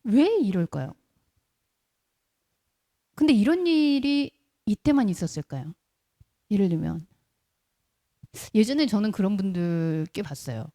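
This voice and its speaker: A woman's voice: mid-range voice, expressive, measured pace, long pauses, dark tone. A woman pastor preaching a conversational sermon, telling stories and asking the congregation rhetorical questions. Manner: briefly acts out quoted voices in the middle of speech.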